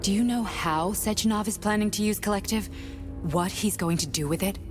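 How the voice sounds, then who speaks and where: A woman's voice: medium pitch, fairly quick, natural voice. A woman playing an urgent scientist. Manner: urgent, persuasive. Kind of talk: video game voice acting. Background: game music.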